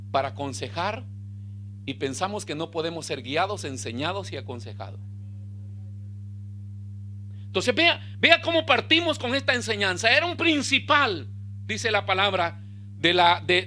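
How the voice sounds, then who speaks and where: Male pastor, impassioned sermon, bright voice, sudden drops to quiet low asides. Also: a little hiss or hum. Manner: impassioned preaching, swings between loud emphasis and quiet low asides.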